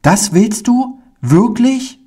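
A man voicing a shy, timid little boy in a storybook reading, with a high, pleading tinged voice. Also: expressive, slow. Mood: overjoyed, stammering.

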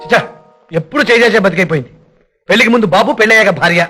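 Brief: a bantering young husband, high voice, film music behind. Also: male voice, racing, bright, forceful tone. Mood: cheeky. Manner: cheeky, bantering. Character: cheeky, joking young husband. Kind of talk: 1980s Telugu film comedy acting.

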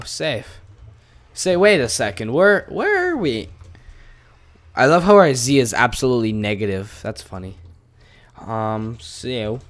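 Dude rambling thru his minecraft let's play, laughing at himself, normal mid voice. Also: mid-range voice. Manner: rambling, self-mocking, casual. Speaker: gaming video host.

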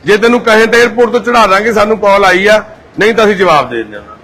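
A man's voice: high voice, fast talker, a bit bright, husky, rough recording. A man working as a volunteer, coaxing and placating a distressed woman with repeated soothing phrases. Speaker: volunteer social worker. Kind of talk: coaxing, calming talk.

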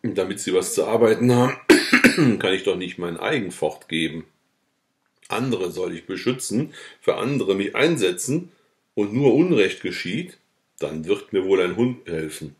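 A hard old farmer refuses to budge, blunt and unmoved, in a low-voiced man's plain reading. The tone is firm and deep, hardly acted. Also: animated, measured pace. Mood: stubborn. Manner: blunt, stubborn.

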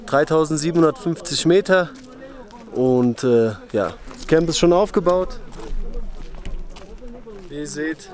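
A young man from Germany chatting casually to his camera outdoors at a mountain camp, relaxed and full of fillers. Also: a little high, measured pace, long pauses. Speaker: hiking vlogger. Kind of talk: casual vlog talk to camera.

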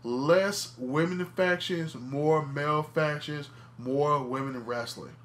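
A man's voice: a little high, slow, fairly bright tone, a little hiss or hum. A man co-hosting a casual wrestling podcast, blunt and profane, stressing his opinions by repeating words. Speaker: podcast co-host.

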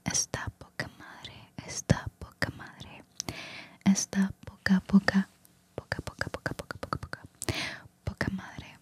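Slow, very breathy whispering woman. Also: medium pitch, monotone. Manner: soft whisper mixing in English words. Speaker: vlogger teaching slang. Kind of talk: whispered ASMR talk. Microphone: singing microphone close up.

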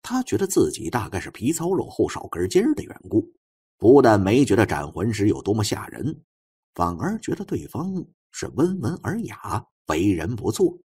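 A man reading a suspense novel as an expressive audiobook narrator, with a husky voice. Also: fairly low pitch.

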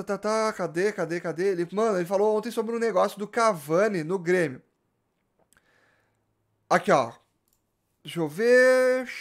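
A young man, chatting animatedly to camera about football, slangy and full of restarts. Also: high voice. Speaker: football YouTuber. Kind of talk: casual fan commentary to camera. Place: small indoor room with gaming chair.

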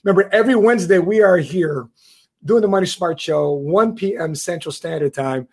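A man in his forties hosting a business talk show, talking in an energetic, friendly way. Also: high voice, fairly quick, breathy edge. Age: 40s. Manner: energetic, friendly, hyped sign-offs. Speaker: show host. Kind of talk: casual hosting chat.

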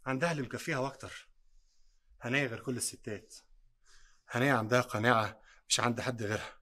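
An actor with an Egyptian accent playing a calm, pious go-between who talks in a reassuring, matter-of-fact way. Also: male voice, medium pitch, fast, lightly acted. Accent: Egyptian Arabic. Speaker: go-between friend. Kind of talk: Egyptian TV drama acting.

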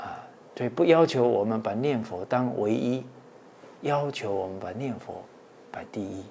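A man's voice: on the low side, creaky, a little mellow, a little hiss or hum. Earnest man giving a dharma talk. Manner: frequent drawn-out "ah" and "oh" fillers, earnest exhorting. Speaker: Buddhist monk lecturer.

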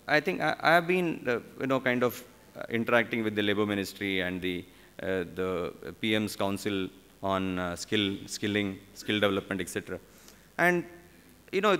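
A man in his forties with an Indian English accent speaks at a conference podium. He talks haltingly, with many "uh"s and restarts. A long reverb from the big hall trails behind his voice. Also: mid-range voice, a bit bright. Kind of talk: conference panel talk. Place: large conference hall on stage. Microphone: podium microphone.

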